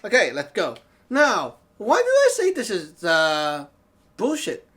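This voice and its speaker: A man's voice: sits high, huge pitch swings, slow pace, fairly bright tone. Chatty man. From Hong Kong. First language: Cantonese. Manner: chatty, laughs often, keeps asking "okay?". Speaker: Taoist teacher and show host. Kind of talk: casual talk show monologue. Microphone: talking to camera.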